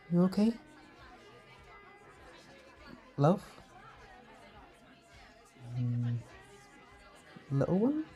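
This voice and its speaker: Guy playing a soft caring caretaker, mellow voice, reassuring and unhurried, comfort roleplay audio, some music and chatter behind. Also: medium pitch, lightly acted. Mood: concerned, tender. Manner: soft, reassuring, unhurried coaxing with pet names. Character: gentle, attentive male caretaker soothing an overwhelmed partner.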